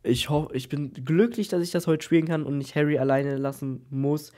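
A man with a cold, hosting a Minecraft let's-play and chatting excitedly with his teammate, repeating himself as he plays. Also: a little high, moderate pace. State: has a cold. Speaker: gaming YouTuber.

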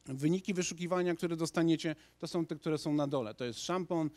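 A man in his thirties giving an energetic conference talk in a large lecture hall, speaking into a handheld microphone with frequent restarts. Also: a little high, brisk. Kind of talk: lecture presentation to an audience.

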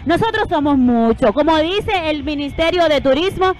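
A woman's voice: high-pitched, expressive, moderate pace. A woman in her thirties with a Dominican accent, co-hosting live parade coverage outdoors on a handheld mic, talking in an effusive, exclamatory way. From Dominican Republic. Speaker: parade broadcast co-host. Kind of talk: live event commentary. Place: outdoors on a parade float in a busy city street.

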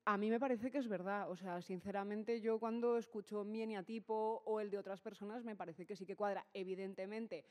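A woman in her thirties with a Spanish accent from Spain explains the enneagram in a lively interview, checking in with "¿no?" as she goes. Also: medium pitch, fairly quick, few pauses. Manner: animated, gestures while explaining, many fillers like "¿no?". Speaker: enneagram teacher, guest. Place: event stage with hall. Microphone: studio mic on stand. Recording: reverberant hall.

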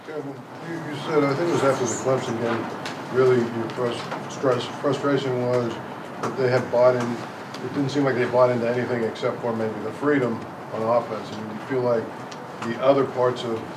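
A man, a sports reporter, asking the coach a measured question at a press conference. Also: medium pitch, steady tone. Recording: distant room mic with noise.

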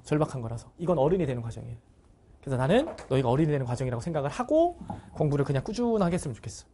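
A man's voice: on the high side, mellow, breathy edge. A male cram school teacher giving a blunt, casual motivational talk to his students. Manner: acts out students' voices in short bursts.

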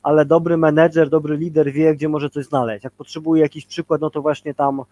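A man's voice: fairly high pitch, flat delivery, brisk, mellow, highs cut off. A man in his forties talking casually on a video call as a guest leadership trainer, rambling with many fillers and tag questions.

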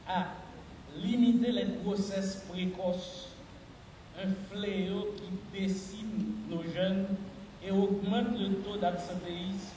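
A middle-aged man gives a formal, measured speech as a health official at a podium mic in a large hall. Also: high-pitched, a little mellow. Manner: measured, deliberate official delivery. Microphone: podium mic on a stand. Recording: echoey hall, far from the mic, noisy.

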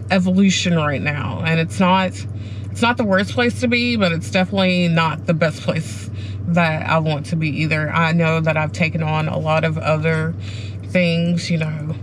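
A middle-aged woman vlogging casually to a dashboard camera in a car, talking in a candid, rambling, self-reflective way. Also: sits low. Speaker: running vlogger. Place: sitting inside a parked car. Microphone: camera mounted on the dashboard. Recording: clear car and background noise.

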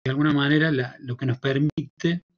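Cordobés man in his fifties, professor giving a halting conference talk from home on a headset, muffled call audio. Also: medium pitch, fairly even intonation. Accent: Cordobés Argentine Spanish. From Córdoba, Argentina. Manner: thoughtful, hesitant, many fillers and restarts. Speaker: university professor presenting a paper. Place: small room at home.

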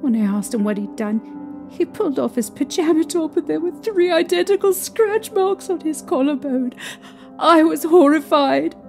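A young woman playing a distraught, haunted mother recounting her ordeal emotionally and haltingly in an audio drama. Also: high-pitched, animated, creaky, a little mellow, soft background music. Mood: horrified.

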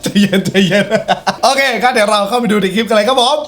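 A man's voice: sits high, fast talker, background noise. A young man hosting and telling an improvised story in a playful way, teasing his friends. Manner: playful, swears at friends, laughs often. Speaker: host and storyteller. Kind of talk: casual improvised storytelling chat.

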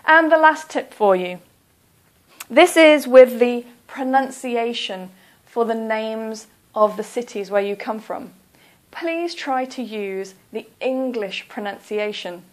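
A woman teaching an English speaking-exam lesson in a careful, deliberate, instructive way. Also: on the high side. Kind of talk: slow, clear lesson narration.

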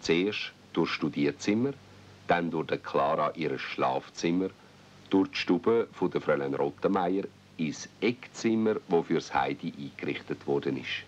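Low-voiced Swiss German male storyteller. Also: lively intonation, a little slow. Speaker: narrator. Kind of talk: storytelling narration in a children's radio play. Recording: muffled, noisy old cassette with rumble.

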